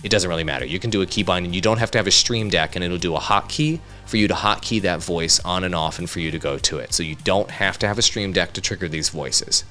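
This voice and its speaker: A man presenting a casual software tutorial in an upbeat, conversational way, speaking directly to viewers into a studio microphone. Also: sits low, fast talker, hardly any pauses, soft background music. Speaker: tutorial host, content creator. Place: home studio.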